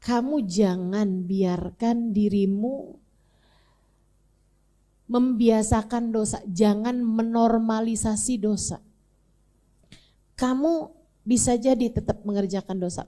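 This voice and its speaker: A woman's voice: a little high, measured pace, pauses often, warm tone. A woman preacher giving a sermon that retells a story, mixing playful everyday asides with a dramatic telling. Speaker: Islamic preacher.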